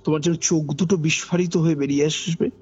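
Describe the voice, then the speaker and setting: A man with a Kolkata Bengali accent and a husky, gravelly voice recounts an eerie personal experience in a conversational, dramatic way, repeating phrases for emphasis. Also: a little high, fairly even intonation, fast talker, a little mellow. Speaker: podcast guest recounting a personal ghost experience. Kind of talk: conversational ghost-story telling. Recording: dull lo-fi audio under background music. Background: background music.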